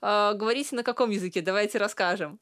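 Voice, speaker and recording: A woman from Belarus interviewing a guest, asking measured, leading questions. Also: medium pitch, a bit bright.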